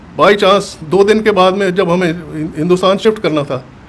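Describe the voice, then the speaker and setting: A man with a high pitch and ordinary pitch variation speaks against noticeable background noise. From Punjab, Pakistan. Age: 80s+. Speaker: partition survivor, businessman. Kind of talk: testimony. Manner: halting.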